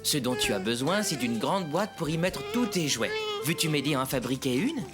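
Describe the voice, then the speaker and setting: A good-natured cartoon dad who guides patiently. His delivery is expressive, with a lively, swinging pitch, over clear background music. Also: normal speed. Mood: helpful. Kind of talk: dubbed children's cartoon acting.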